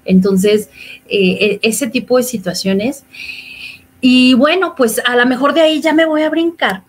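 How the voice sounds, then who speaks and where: A woman's voice: fairly high pitch, a little slow. A woman, telling her personal story as an interview guest, often acting out what others said. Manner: emotional storytelling, quoting others. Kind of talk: personal testimony.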